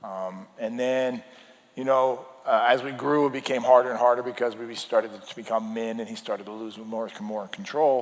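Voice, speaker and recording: A man with an American accent and a normal speaking voice, fairly even intonation, big swings in loudness. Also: medium pitch for a man, moderate pace. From Colorado. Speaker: former pro football player. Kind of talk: testimony.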